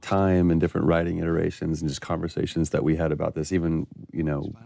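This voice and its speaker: A man's voice: sits low, flat delivery, fast, vocal fry, mellow. A man, an actor, chatting enthusiastically on a commentary track and laughing easily. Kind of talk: casual commentary over cutscenes.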